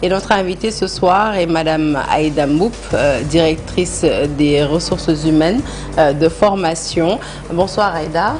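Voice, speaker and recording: A woman hosting a studio news interview, phrasing her questions in a halting, repetitive way. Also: low voice, music in the background. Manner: hesitant, halting phrasing with repeated words. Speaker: TV news host interviewing a guest.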